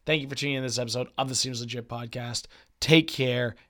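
A man hosting a casual solo podcast, with a dry, husky voice weakened by a cold, talking emphatically and informally. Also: medium pitch, steady tone, quick pace, a bit bright. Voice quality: husky, gravelly. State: weak, dry voice after a cold. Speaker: podcast host and poker player.

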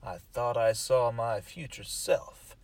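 A man's voice: mid-range voice, slow pace, a little mellow, no room sound. A man hosting a horror story show in a playful, spooky, theatrical style that drops toward whispers. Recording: faint music behind.

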